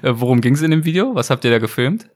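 A man's voice: medium pitch, expressive, quick pace. A man interviewing a guest casually over a video call, laughing often and hesitating with fillers.

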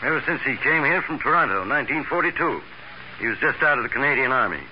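A man's voice: medium pitch, expressive, fast talker, lightly acted. An actor playing an indignant, grumpy middle-aged father and boss in a 1940s radio crime drama. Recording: muffled, hissy old radio recording.

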